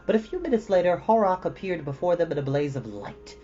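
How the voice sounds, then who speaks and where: A man reads a story aloud with an animated, swinging pitch in a middle register. Music plays behind him, and the recording sounds slightly dull. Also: fairly quick. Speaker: storyteller reading a children's novel. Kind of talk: expressive storybook narration. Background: background music.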